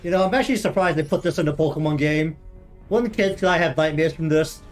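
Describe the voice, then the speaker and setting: A high-voiced man talks through a video game in casual let's-play style. He chats and jokes, and swears casually as he reacts. Faint game music sits in the background. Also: fast. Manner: chatty, joking, swears casually. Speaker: gaming video host.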